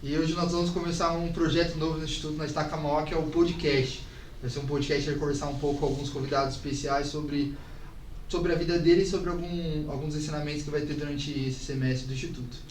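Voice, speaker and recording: Young male co-host, São Paulo accent, fast delivery, slightly high voice, casual, recorded off-mic in a room. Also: steady tone. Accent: São Paulo Brazilian. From São Paulo, Brazil. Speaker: podcast co-host. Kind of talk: casual interview chat. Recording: roomy, distant mic, background noise.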